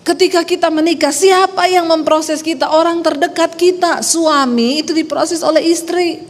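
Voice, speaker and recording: Sulawesi lady pastor preaching, high voice, big hall echo. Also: moderate pace. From Sulawesi, Indonesia. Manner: lively storytelling with rising phrase endings. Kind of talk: sermon. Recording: long reverb of a hall.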